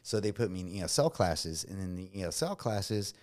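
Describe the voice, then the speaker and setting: A man's voice: low voice, brisk. A man with a slight Latino accent and Spanish as his first language, telling stories casually and with slang in an interview. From United States. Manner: relaxed, slangy storytelling with frequent fillers. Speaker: guest, combat veteran.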